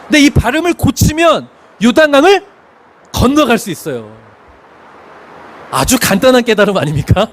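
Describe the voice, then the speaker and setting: Man, pastor, sermon, high voice, very animated pitch, storytelling. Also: normal speed, pauses often. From Chungcheong, Korea. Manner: expressive preaching, sings hymn lines, laughs while telling stories.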